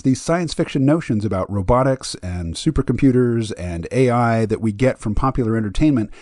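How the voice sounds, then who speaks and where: A man's voice: medium pitch, dark tone, no room sound, clean studio sound. A man hosting his own podcast, talking through his ideas in a thoughtful, explanatory solo monologue. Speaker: podcast host.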